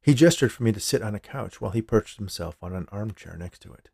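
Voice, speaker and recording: A man reads first-person fiction as a podcast narrator. His voice is low with noticeable creak, and the recording is very dry with no room sound. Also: animated, fast, a little mellow, dry recording.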